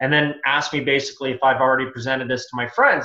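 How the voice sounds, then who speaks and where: With a Canadian accent, a man speaks very fast at medium pitch, his tone bright and sharp and his intonation fairly even. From Edmonton, Canada. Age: 40s. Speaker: real estate investor. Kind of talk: interview.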